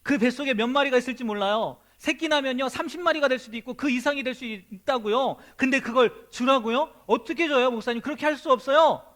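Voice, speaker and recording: A man's voice: extremely high pitch, fast, few pauses, a bit bright, voice pushed up. A man voicing an agitated farmer from his congregation, insistent and urgent as he pleads with his pastor. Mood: pleading, upset.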